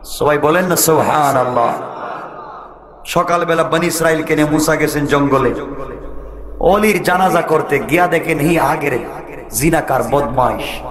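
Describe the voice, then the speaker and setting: A man with a Bangladeshi Bengali accent preaching a waz sermon as an Islamic preacher, telling stories in colloquial speech with sudden shouted bursts. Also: a little high, measured pace, long pauses. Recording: echoey sermon gathering with crowd.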